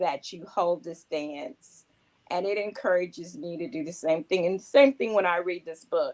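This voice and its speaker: Here a woman with an American accent uses an ordinary speaking voice at a fairly low pitch, with lively intonation, big swings in loudness and a moderate pace. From US South, Alabama. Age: 60s. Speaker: book club member. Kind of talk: casual discussion.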